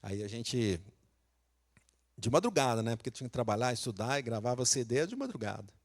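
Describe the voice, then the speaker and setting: A man's voice: mid-range voice, sing-song, brisk. A Brazilian man from Minas Gerais preaching a sermon as pastor, talking conversationally, asking the congregation questions and acting out quotes. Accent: Brazilian Portuguese, Minas Gerais.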